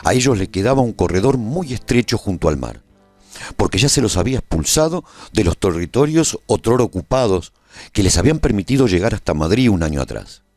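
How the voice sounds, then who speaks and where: A man playing a weary resistance fighter who narrates a post-apocalyptic war in a radio serial, in a solemn, deliberate storytelling manner. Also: lowish voice, sing-song, a little mellow, no echo, soft background music. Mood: grave, tense. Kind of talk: scripted dramatic radio narration.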